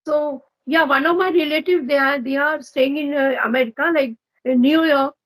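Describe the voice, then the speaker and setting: Indian woman host, really high voice, asks stuff kinda haltingly, lots of likes. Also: steady tone, fairly bright tone, low-quality recording. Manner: halting questions with fillers. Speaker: interviewer. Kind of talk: casual conversation practice.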